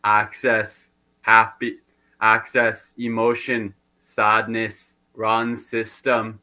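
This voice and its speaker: A man playing a malfunctioning male cyborg assistant who stutters and repeats syllables like a rusty robot, in a stiff deadpan monotone. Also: lowish voice, drawn-out words, pitched above the performer's own voice, exaggerated voice. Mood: robotic. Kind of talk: comedy sketch role-play.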